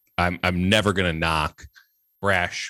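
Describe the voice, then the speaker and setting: Bright and sharp in tone, a man with an American accent speaks with fairly even intonation in a very clean, dry, close recording with a silent background and no echo. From Chicago, US Midwest. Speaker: sports journalist. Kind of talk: casual interview.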